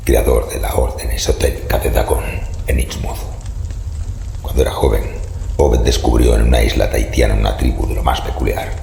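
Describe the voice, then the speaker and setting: An actor playing a grim, haunted keeper of occult secrets in an audio horror serial, with a growling voice, Castilian Spanish accent and solemn, ominous delivery. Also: male voice, rumbling low, a little mellow, exaggerated voice. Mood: grave, secretive. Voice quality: very gravelly, growling. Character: grim haunted man who knows forbidden occult secrets. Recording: roomy reverb, faint noise.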